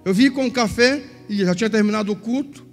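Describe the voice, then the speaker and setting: Brief: high-voiced Southern Brazilian male pastor, lively sermon storytelling, echoey hall. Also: quick pace. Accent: Southern Brazilian Portuguese. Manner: animated storytelling, voices others in quotes. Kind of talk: sermon with acted-out anecdotes. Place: large church hall. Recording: echoey church hall with faint music.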